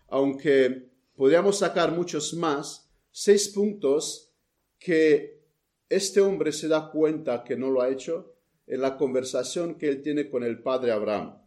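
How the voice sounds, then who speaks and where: A man preaching a sermon in an earnest tone, reading scripture aloud and pausing to explain it. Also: fairly high pitch, a little mellow. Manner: earnest, reads scripture aloud with pauses and restarts.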